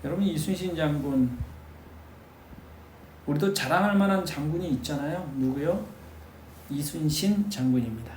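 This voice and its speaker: A man with a fairly high, expressive, slightly mellow voice gives an exam-prep history lecture at a moderate pace with long pauses. He speaks emphatically to his students and poses rhetorical questions. The room is echoey with faint noise.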